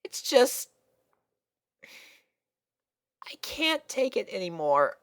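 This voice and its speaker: A woman's voice: medium pitch, big pitch swings, drawn-out words, smooth, voice pushed up. A woman voicing an anxious, lovesick young unicorn filly in a story reading, plaintive and easily flustered. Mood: remorseful, overwhelmed. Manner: plaintive, flustered, hesitant with stammers.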